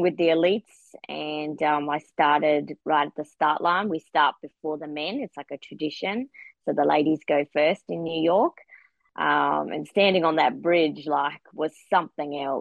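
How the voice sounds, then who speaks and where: A fairly slow pace with fairly even intonation, in an Australian accent. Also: woman. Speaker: elite runner. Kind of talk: interview chat.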